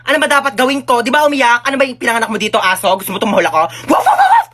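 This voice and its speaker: A cheeky talking newborn baby, played by a woman, grumbles and mocks in a quick, sarcastic stream. The voice is husky and rushed, with a somewhat high pitch for a woman. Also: pushed and bright. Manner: sarcastic, rapid complaining. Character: sassy newborn baby girl talking like an adult.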